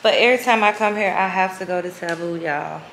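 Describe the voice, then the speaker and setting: A woman's voice: fairly low pitch, brisk, fairly bright tone, roomy sound, slight background noise, rough recording. A woman vlogging from a hotel room, chatting candidly and swearing freely. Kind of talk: casual vlog chat.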